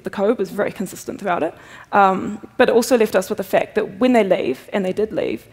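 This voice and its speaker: Gravelly-voiced Kiwi woman in a big hall. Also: medium pitch, a little mellow. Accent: New Zealand. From New Zealand. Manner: quick, chatty, self-deprecating humor. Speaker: conference speaker, software developer. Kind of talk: technical conference talk. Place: large conference hall, at a podium. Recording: long reverb of a big hall.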